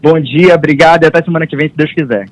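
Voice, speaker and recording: A man's voice: a little high, quick pace, low-quality recording. Emphatic male political commentator. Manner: firm, emphatic and repetitive. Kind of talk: studio commentary.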